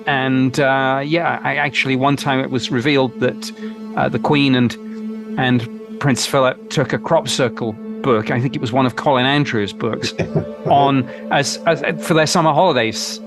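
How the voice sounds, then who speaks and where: A man's voice: mid-range voice, steady tone, measured pace, creaky, music in the background. A man speaking in a documentary interview, musing with a few hesitations. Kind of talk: interview speech in a documentary clip.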